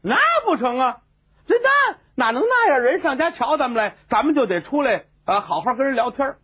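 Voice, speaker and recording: A man's voice: very high-pitched, big pitch swings, a little fast, slightly rough, voice pushed up, full character voice. A man voicing a stout, indignant male prince who blusters. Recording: tinny phone-like sound.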